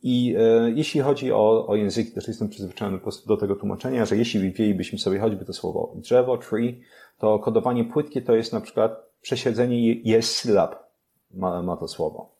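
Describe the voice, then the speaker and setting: A young man, a podcast guest, explaining learning methods step by step, pausing on fillers and restarting his phrases. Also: on the low side, vocal fry, mellow.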